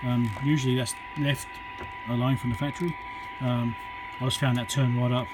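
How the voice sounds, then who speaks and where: Working at his home workbench, an electronics repair presenter talks casually, thinking aloud with frequent ums and pauses and counting into the mic. His voice is medium-pitched and level, with background noise.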